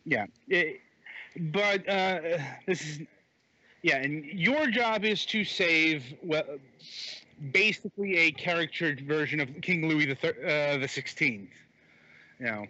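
A man co-hosting a laid-back game review chat, halting often with fillers and restarts. His voice sits fairly high and bright. It comes through a dull, lo-fi phone microphone with no room sound. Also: no room sound. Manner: hesitant, many fillers and restarts. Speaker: podcast co-host reviewing games. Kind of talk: casual chat.

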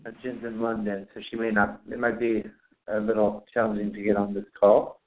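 A man leading a spiritual class on a conference call, calling the roll and guiding a prayer in an unhurried, plain-spoken way. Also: on the low side, completely flat delivery. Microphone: phone call. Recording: tinny phone line.

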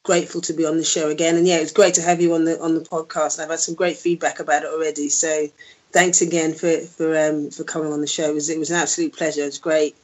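A woman who hosts a podcast, calling in to a radio show with a hoarse, croaky throat and speaking in a polite, grateful way. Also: low voice, level tone, quick pace. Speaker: podcast host joining as a guest. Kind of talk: casual call-in chat.

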